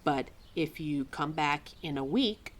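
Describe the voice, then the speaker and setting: A woman's voice: sits low, takes it slowly. A woman playing a chatty, indignant keeper of forgotten lore in an ad-libbed audio roleplay, rambling and often talking to herself. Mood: helpful, chatty. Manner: rambling, talks to self, animated, sighing.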